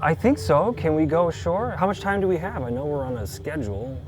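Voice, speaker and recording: A man's voice: on the high side, very animated, brisk, noisy background. A man playing a curious, sheltered young traveler, hesitant and eager, in an improvised tabletop game. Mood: wistful, eager.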